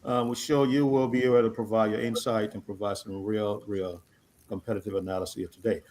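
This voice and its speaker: A man's voice: on the low side, level tone, brisk, darkish tone. A man co-hosting a live radio and TV talk show, genially introducing panelists with some light teasing.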